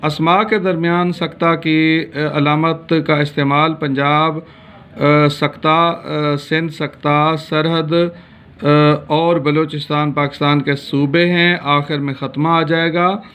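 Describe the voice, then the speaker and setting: A man's voice: a little high, level tone, slow pace, a bit bright, clear, resonant tone. A man from Pakistan teaching a grammar lesson, reading steadily with frequent hesitation sounds. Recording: dull lo-fi recording.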